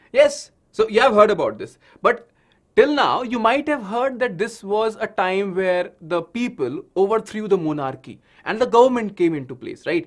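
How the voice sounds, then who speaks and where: A man with an Indian accent speaks high in pitch and in an animated tone. His pitch swings very widely. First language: Hindi. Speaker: online tutor. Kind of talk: online class lecture.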